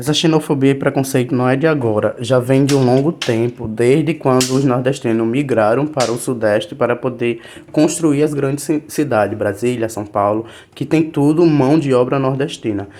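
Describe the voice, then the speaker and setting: Speaking with a strong northeastern Brazilian accent, a man has a medium pitch and ordinary pitch variation. He keeps a moderate pace, with music in the background. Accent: thick Northeastern Brazilian. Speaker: YouTuber, beautician. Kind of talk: commentary vlog. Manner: clear diction.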